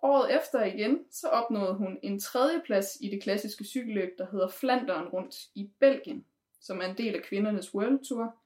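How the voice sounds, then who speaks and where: A woman's voice: mid-range voice, a little mellow. A woman host presenting a podcast segment from notes, with the odd filler. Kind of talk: scripted presenting.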